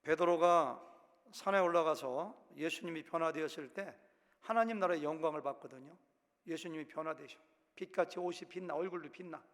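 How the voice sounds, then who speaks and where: A man's voice: fairly high pitch, brisk, fairly bright tone. A male pastor from Chungcheong province preaching a sermon with a regional accent, acting out quotes in shifting voices. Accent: Chungcheong Korean. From Korea, Chungcheong province. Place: church sanctuary. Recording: long hall reverb.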